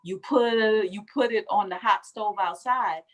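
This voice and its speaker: A woman's voice: mid-range voice, measured pace. A woman from the Bahamas talking as an interview guest, telling her story emphatically and calling the listener baby. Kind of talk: casual interview conversation.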